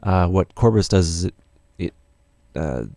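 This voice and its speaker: A man's voice: low voice, lively intonation, measured pace, mellow, no room sound, studio quality. A man teaching music production in a casual, rambling tutorial with many fillers.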